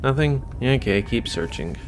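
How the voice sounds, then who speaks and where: A man's voice: mid-range voice, animated, normal speed, slight background noise. An American man giving casual, rambling let's play commentary with wry asides. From United States. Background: video game music.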